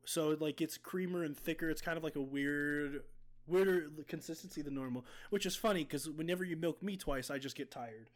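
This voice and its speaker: A man's voice: a little high, fairly quick. A young man co-hosting a casual podcast, running a silly quiz game with a goofy, joking manner. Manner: goofy, joking, animated game-show announcing. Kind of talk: casual chat.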